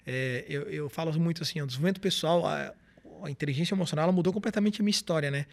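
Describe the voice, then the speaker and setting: High-pitched, fast-talking motivational man. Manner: earnest, motivational, explains in steps. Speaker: guest, motivational speaker. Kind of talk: podcast interview, casual conversation.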